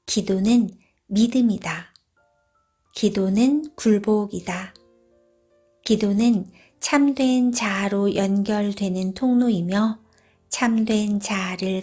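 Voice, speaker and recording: A woman reading a book aloud as narrator in a soft, hushed, gentle voice that turns whispery at moments. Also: mid-range voice.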